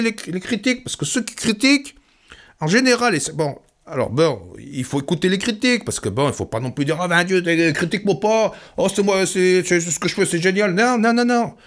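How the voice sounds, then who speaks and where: A young man with a Savoyard French accent talks through his music-making in a casual vlog. His voice sits a little higher than most men's. He rambles, repeats words and drops joking asides as he works. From Savoie, France. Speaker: music producer.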